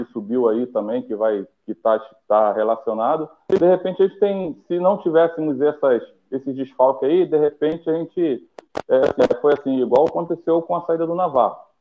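At a moderate pace, a man talks in an ordinary speaking voice with fairly high pitch. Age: 50s. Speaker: football fan, channel member. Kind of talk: casual chat.

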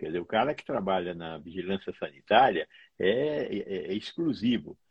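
This man's pitch swings very widely. Vocal fry runs through his voice. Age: old. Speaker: physician, former health official. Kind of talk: casual chat.

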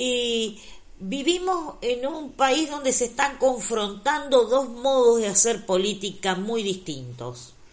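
In a high voice with lively intonation, a woman speaks very slowly amid audible room echo. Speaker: radio host. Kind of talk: casual chat.

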